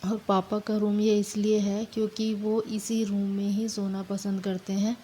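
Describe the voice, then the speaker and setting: A young woman with a hoarse voice from a fever and sore throat, talking casually and haltingly in a home vlog while doing housework. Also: medium pitch, flat delivery, mellow, a little hiss or hum. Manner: tired, halting, apologizing for her voice. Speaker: family vlogger.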